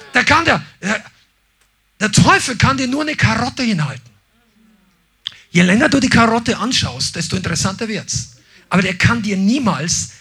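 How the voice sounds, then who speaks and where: A pastor preaches animatedly, often shouting for emphasis and acting out quotes in little voices. His voice is high and slightly rough.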